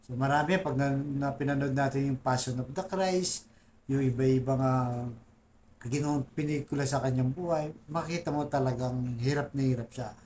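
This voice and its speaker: A man's voice: medium pitch, fairly even intonation, normal speed, darkish tone, slight background noise. A man giving a casual Catholic reflection talk, often asking his listeners "right?" and calling them guys, rising in voice as he lists sufferings. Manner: keeps asking "di ba?" and addressing "guys". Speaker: Catholic faith vlogger.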